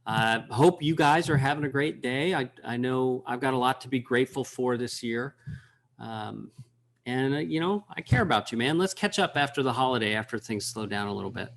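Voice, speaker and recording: A man giving a sample voice message in a relaxed, friendly, everyday tone. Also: medium pitch, brisk, vocal fry. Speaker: software presenter.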